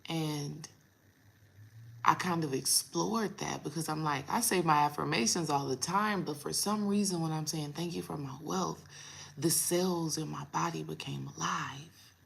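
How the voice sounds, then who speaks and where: A woman in her thirties speaks in a low, gravelly voice, raspy from the morning. She chats casually with her viewers and calls them y'all, with drawn-out pauses. Her pitch sits deep for a woman. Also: a bit bright. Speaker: spiritual coach and host. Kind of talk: casual vlog talk to viewers.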